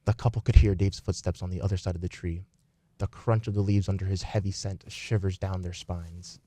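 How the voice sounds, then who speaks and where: Male narrator for a radio play, lowish pitch, scripted storytelling delivery, very dry recording. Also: little pitch movement, brisk, warm tone, no room sound.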